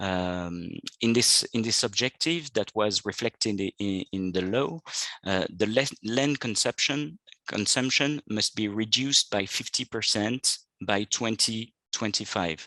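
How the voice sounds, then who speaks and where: A man with a French accent speaks fairly slowly at a fairly low pitch with ordinary pitch variation. His tone is bright and sharp, and the sound is dry and close with no echo. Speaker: urban ecologist. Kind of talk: online lecture. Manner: halting, many fillers and repetitions.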